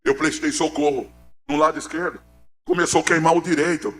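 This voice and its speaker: A man's voice: on the high side, steady tone, a little fast, faint music behind. Intense Pernambucan preacher telling his testimony. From Pernambuco, Brazil. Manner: dramatic, swings from hushed to shouting. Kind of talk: emotional church testimony.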